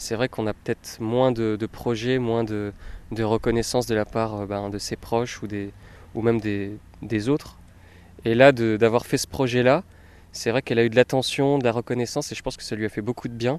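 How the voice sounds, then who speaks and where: Speaking at a medium speed, an unremarkable speaking voice keeps its intonation mostly level. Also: man, medium pitch for a man. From Lorraine, France (Metz, Moselle). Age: 20s. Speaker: adventurer. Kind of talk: interview.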